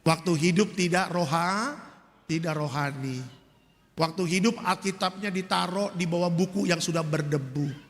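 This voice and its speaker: A male pastor preaching a lively, humorous sermon to a congregation, acting out voices as he tells stories. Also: sits high, normal speed, in a large hall.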